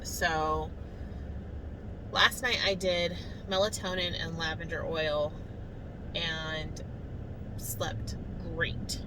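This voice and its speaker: A woman's voice: deep voice, steady tone, very slow, pauses often, background noise. A woman chatting casually to her viewers as a vlogger, in a talkative, self-amused way. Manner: chatty, self-amused, often chuckling while telling anecdotes. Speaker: vlogger sharing a daily diet challenge.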